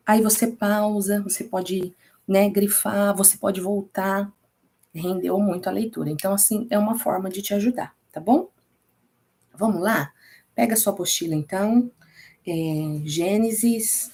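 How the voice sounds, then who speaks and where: A Brazilian woman leads a relaxed Bible study lesson in a mellow, warm-toned voice. She talks in a chatty way and keeps checking in with her listeners as she goes. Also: mid-range voice. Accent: Brazilian Portuguese. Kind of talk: casual recorded class.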